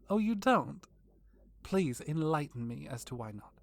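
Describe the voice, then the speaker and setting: A woman's voice: low voice, very animated, unhurried, creaky, heavily acted. A woman playing a cold, vengeful vampire villainess in an audio drama, taunting with genteel menace. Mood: gloating menace.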